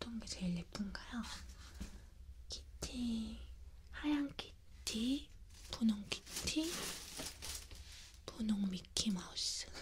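Whispering at a very slow pace, a soft-spoken woman is heard over noticeable background noise. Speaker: ASMR creator. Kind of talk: soft-spoken ASMR chat. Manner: soft close-mic ASMR whisper. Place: home room. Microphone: studio mic.

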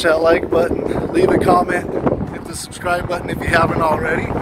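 A man at a moderate pace, dry sound with no echo, loud background noise behind him. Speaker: home salesman. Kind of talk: casual walkthrough tour commentary. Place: street.

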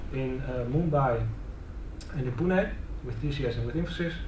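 Noticeable background noise runs under a man talking at a moderate pace. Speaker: conference presenter. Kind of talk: talk answering audience question. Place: meeting room. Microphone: camera far.

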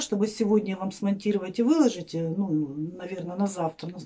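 A woman's somewhat breathy, dark and mellow voice at a fairly quick pace, with ordinary pitch variation. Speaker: home vlogger. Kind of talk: casual vlog chat. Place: kitchen. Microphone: phone near.

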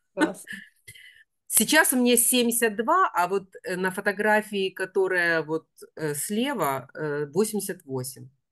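Very wide pitch swings mark a woman's very slow speech, broken by long, frequent pauses. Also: medium pitch for a woman. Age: 50s. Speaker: customer giving testimonial. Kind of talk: testimony.

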